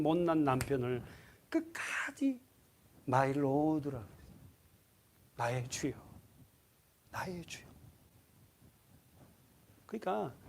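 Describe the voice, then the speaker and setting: A male pastor with a fairly high, breathy-edged voice preaches a lively sermon. He asks his congregation questions and acts out voices.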